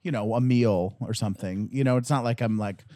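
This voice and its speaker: A man's voice: fairly low pitch, brisk, mellow, no echo. A man co-hosting a comedy podcast, rambling in casual chat with many fillers. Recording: dry close podcast mic.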